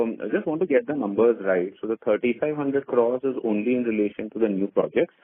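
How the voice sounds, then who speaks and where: A man's voice: on the low side, slightly rough, no room sound. A man speaking as an analyst on an earnings call, politely and tentatively probing for details over the phone. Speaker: analyst asking questions. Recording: dry narrow-band phone line.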